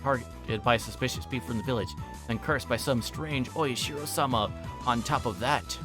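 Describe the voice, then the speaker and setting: A man's voice: mid-range voice, normal speed, close to an everyday voice. Guy doing a put-upon anime teen boy in a visual novel, exasperated, music in the back. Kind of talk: amateur visual novel character reading.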